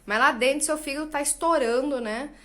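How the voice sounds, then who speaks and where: High-voiced Brazilian woman confiding. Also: fairly quick. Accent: Brazilian Portuguese. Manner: confiding, animated, many tag questions. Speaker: astrologer and channel host. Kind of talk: casual personal talk to viewers.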